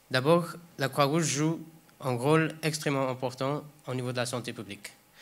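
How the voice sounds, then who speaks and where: The speaker has a non-native accent and talks at a fairly slow pace with fairly even intonation, with audible room echo. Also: man. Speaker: doctor, blood service site manager. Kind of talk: lecture. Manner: halting.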